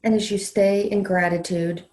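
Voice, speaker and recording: A woman leading a guided meditation in a slow, soothing way, leaving long pauses between phrases. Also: mid-range voice, steady tone, a little mellow. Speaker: meditation leader, counselor educator. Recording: roomy, echoey sound.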